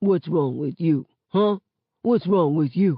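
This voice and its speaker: A man puts on a character voice. It is high-pitched and fairly slow. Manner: teasing, affectionate.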